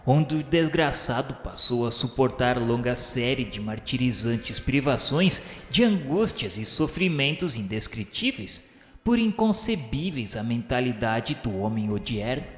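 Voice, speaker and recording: A man's voice: mid-range voice, big pitch swings, unhurried. A man playing a tormented, vengeful Jesuit officer of the Inquisition, confessing in solemn, formal, theatrical radio novela narration. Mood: grim, bitter. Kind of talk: dramatized first-person radio novela narration. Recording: echoey hall reverb, music behind.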